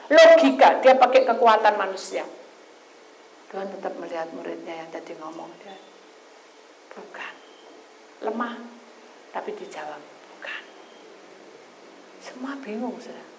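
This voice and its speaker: A woman pastor preaching a sermon in an animated storytelling way, acting out the voices in her stories and putting questions to the congregation. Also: medium pitch, roomy sound, a little hiss or hum, poor audio. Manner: animated storytelling, acts out quoted voices, sudden loud rises. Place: church.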